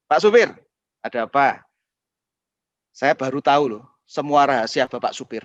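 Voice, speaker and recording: A man's voice: medium pitch, lively intonation, moderate pace, no room sound, dull audio, lightly acted. A man voicing a cheeky young college student who claims he knows everyone's secrets. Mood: teasing.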